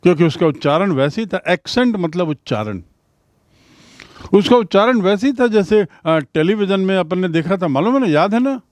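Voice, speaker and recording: A male English teacher giving a lesson in Hindi, reading English lines slowly and then explaining them word by word. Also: high-pitched, animated, no echo.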